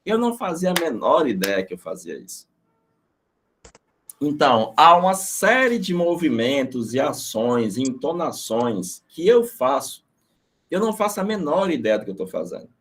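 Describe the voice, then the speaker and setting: Animated man teaching a class. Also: a little high, moderate pace. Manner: animated storytelling, casual and profane. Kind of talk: informal online class.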